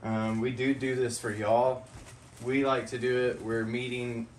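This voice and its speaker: Guy chatting on his vlog, folksy and thankful, middle pitch, a little hiss behind. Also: flat delivery, unhurried, far from the mic. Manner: folksy, laughing, heartfelt thanks. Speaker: channel host. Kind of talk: casual vlog chat.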